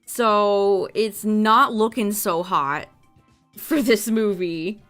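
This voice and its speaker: Young woman streamer, voice going hoarse. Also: mid-range voice, very slow, a bit bright, faint music behind. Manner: chatty, reading out notes with asides. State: losing her voice. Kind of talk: casual livestream chat to viewers.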